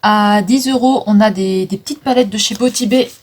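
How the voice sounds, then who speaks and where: A woman's voice: mid-range voice, normal speed, a little mellow, slight background noise. A woman chatting casually through a makeup declutter, with frequent fillers, stumbling over English names. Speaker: vlogger selling makeup. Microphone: phone.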